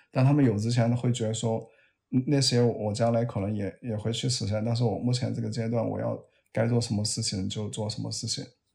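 A man talks at a fairly quick pace with a medium pitch and monotone, flat intonation. His tone is dark and mellow, and somewhat breathy. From Sichuan, China. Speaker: internet product manager. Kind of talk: casual chat.

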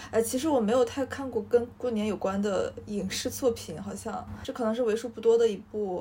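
Noticeable background noise surrounds a woman speaking at a moderate pace. Her pitch is fairly high, with fairly even intonation. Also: hardly any pauses. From Shandong. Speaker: journalist. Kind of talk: casual chat.

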